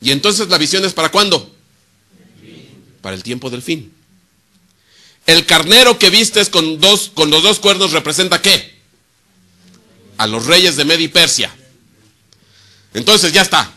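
A man preaching a sermon. He asks rhetorical questions and answers them himself, and he swings between loud emphasis and quiet, low asides. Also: expressive, unhurried, long pauses.

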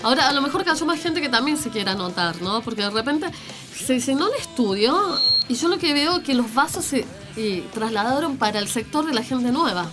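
A woman's voice: sits high, animated, fairly quick, music in the background. A woman with an Argentine Spanish accent co-hosting a radio talk show, playful and teasing, with a cold. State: has a cold. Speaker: radio co-host. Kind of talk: casual radio chat.

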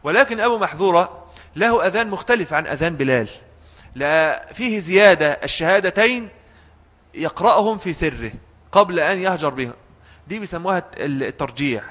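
Guy teaching a class, kinda high voice, long echo from the hall, switches formal to casual, chants bits to show how. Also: expressive, brisk, pauses often, a bit bright. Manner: mixes formal Arabic with colloquial asides, demonstrates chanted phrases. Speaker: religious teacher. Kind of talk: classroom fiqh lesson.

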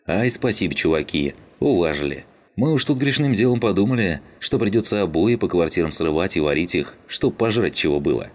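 A man's voice: low-pitched, expressive, a little fast, few pauses. A man reading an audiobook, voicing a brash, mocking young skinhead.

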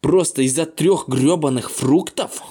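Man doing old clan grandfather, gruff, volatile, swearing, shouting, slightly raised and roughened voice, storybook reading. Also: medium pitch, normal speed, lightly acted. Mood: agitated. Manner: coarse, swearing, shouting in disbelief.

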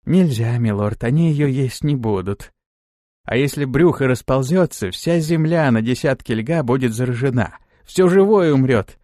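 A man doing a quiet, lifeless female servant. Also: medium pitch, animated, normal speed, dry recording, studio quality, close to an everyday voice. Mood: solemn.

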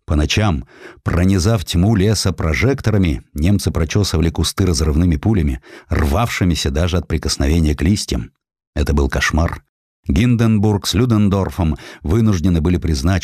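A man reading a historical narrative as an audiobook narrator, in a measured, deliberate and dramatic way with weighty pauses. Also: deep voice, expressive, darkish tone, no room sound, studio quality.

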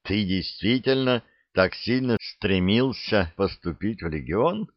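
A man reading the part of a space legion captain who asks careful, measured questions. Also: lowish voice, animated, dry recording, lo-fi sound. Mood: probing. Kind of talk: audiobook character reading.

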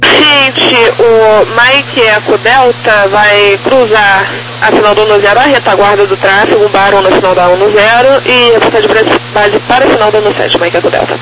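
A woman's voice: mid-range voice, steady tone, moderate pace. A woman working as an air traffic controller, giving procedural instructions over a crackly military-style radio.

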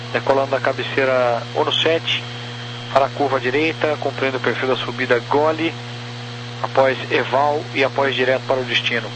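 Male air traffic controller, Brazilian accent, mid-pitched, procedural phraseology, crackly noisy radio channel. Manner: procedural, clipped readout with spelled-out digits. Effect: crackly aviation radio.

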